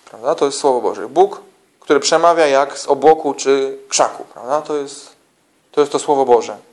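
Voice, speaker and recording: A man's voice: medium pitch, moderate pace, darkish tone. A man giving an informal teaching talk to church small-group leaders, conversational and full of restarts, who keeps checking in with his listeners through tag questions. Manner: conversational, with frequent restarts and slang.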